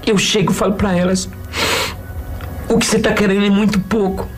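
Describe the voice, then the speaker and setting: A woman's voice: medium pitch, level tone. A woman giving an emotional personal testimony, fervent and close to tears. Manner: tearful, fervent, slow in places. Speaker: testimony speaker. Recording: soft music underneath.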